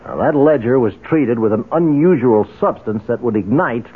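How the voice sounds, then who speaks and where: An actor playing a shrewd, confident, dryly amused investigator in a 1970s radio drama. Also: male voice, mid-range voice, lively intonation, moderate pace, breathy edge. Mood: knowing, assured. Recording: muffled phone-like 1970s radio recording.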